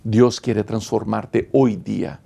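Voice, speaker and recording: Gravelly-voiced male pastor telling stories. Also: lowish voice, fairly even intonation, slow pace, warm tone, slight background noise. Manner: confessional, direct address to viewers. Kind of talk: Bible lesson with personal storytelling.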